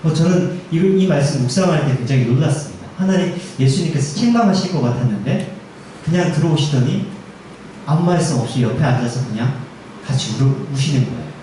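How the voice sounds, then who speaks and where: A man's voice: mid-range voice, expressive, fairly quick, dark tone, a little hiss or hum. Man, junior pastor, sermon, conversational, asks questions, heavy church echo, distant mic. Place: church sanctuary. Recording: echoey church hall, mic far off.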